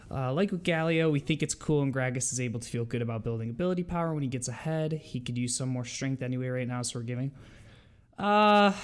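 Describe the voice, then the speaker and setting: A man's voice: mid-range voice, clear, resonant tone. A man with a congested, stuffy voice from a cold, talking informally and a little hesitantly as he hosts a casual video game patch commentary. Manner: informal, hesitant, thinking aloud. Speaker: video game channel host.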